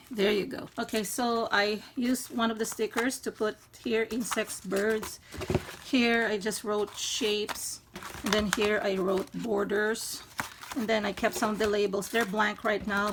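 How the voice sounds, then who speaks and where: Husky-voiced woman with a gravelly edge. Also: mid-range voice, fairly bright tone, a little hiss or hum. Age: 50s. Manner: chatty, explains step by step. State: hoarse from allergies. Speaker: craft channel host. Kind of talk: casual DIY tutorial. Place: craft room in a home loft.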